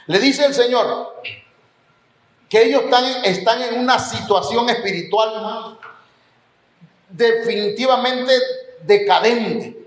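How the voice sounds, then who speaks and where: A man's voice: very high voice, slow pace, pauses often. A man with a Mexican Spanish accent preaching a sermon in a church, with rising emphasis and the odd joke. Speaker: pastor. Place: church hall. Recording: echoey church hall.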